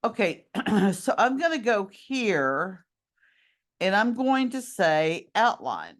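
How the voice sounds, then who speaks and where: A middle-aged woman teacher who is losing her voice, slowly talking her class through each step of a screen-recorded tutorial. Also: medium pitch, sing-song.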